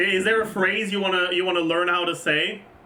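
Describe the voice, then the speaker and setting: Amid noticeable background noise and audible room echo, a man speaks at a moderate pace in a high pitch. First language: French. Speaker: gaming streamer. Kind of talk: casual chat. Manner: halting, with frequent repetitions.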